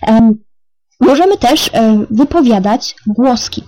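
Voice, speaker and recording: A woman in her thirties hosting a spoken lesson on rhythm for parents, explaining calmly with frequent filler sounds and counting beats softly under her breath. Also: fairly high pitch, takes it slowly, dry recording, rough recording. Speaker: music educator, podcast host.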